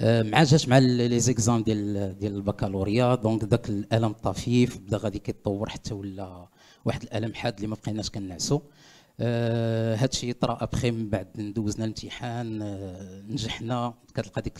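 Slow-paced and flat, a man at medium pitch talks in a monotone with a dark, mellow tone at a fairly slow pace. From Morocco. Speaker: mountaineer; speaker. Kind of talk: personal testimony. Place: hall. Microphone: handheld.

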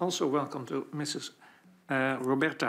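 With a Dutch accent, a man speaks at a moderate pace in a fairly high pitch, his bright, sharp tone carrying vocal fry over fairly even intonation. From Netherlands. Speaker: member of parliament chairing committee. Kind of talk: formal meeting chairing. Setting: parliamentary committee room. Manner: formal. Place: meeting room. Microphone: podium.

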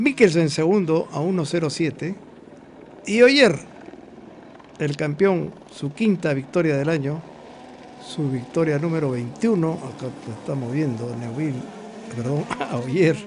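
Lively intonation comes through at a very slow pace, broken by long, frequent pauses, against noticeable background noise. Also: man, fairly high pitch for a man. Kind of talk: sports commentary over race footage. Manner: exclamatory, colloquial, calls out times and names.

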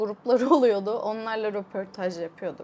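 A woman talks with a fairly high pitch that shows ordinary pitch variation. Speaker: streamer's girlfriend. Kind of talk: casual chat. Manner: soft-spoken; calm.

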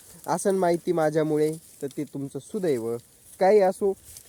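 Recorded with a dry, close sound and no echo, a man speaks in a dark, mellow tone with ordinary pitch variation. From Maharashtra, Vaijapur (Chhatrapati Sambhajinagar). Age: young. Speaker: goat farmer and vlogger. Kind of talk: vlog to camera. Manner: animated.

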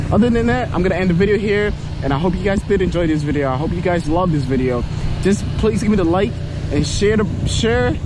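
Very fast speech from a man comes through in a dry sound with no echo and noticeable background noise. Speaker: car owner vlogger. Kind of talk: casual vlog chat. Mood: upbeat, proud. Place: open country. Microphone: phone near.

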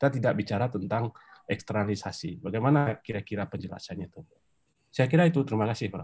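A somewhat breathy man at a medium pitch, very fast and lively in intonation, with big swings in loudness over a quiet background. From Padang, West Sumatra; West Sumatra, Indonesia. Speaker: audience member asking questions; audience member. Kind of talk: question in a webinar. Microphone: video call.

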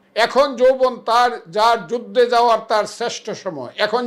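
A man with a high voice talks on a very clean recording against a silent background. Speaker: political commentator. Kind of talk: political commentary monologue.

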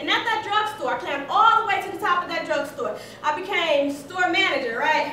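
Over light background noise and audible room echo, a woman uses a raised, projected voice at an extremely high pitch, speaking in an animated tone at a fairly quick pace. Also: lively intonation. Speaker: network marketing team leader. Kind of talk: motivational business training talk. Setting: stage with audience. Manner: fast talker. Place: meeting room. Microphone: camera far.

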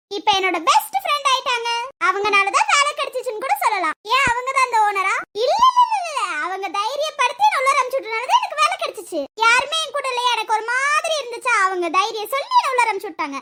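Over background sound effects, a woman does a cartoonish character voice at an extremely high pitch and a moderate pace. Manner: bright, talkative.

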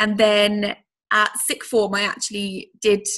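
This woman has a bright, sharp tone and a southeastern English accent. The background is quiet. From southeast England. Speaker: PE teacher. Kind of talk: casual interview. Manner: giggly, self-conscious. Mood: relaxed, cheerful. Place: home room. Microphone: webcam.

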